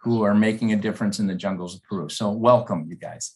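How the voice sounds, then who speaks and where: Husky-voiced pastor interviewing guests. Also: male voice, fairly low pitch, very fast, a little mellow. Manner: friendly, restates answers to clarify. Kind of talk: church podcast interview.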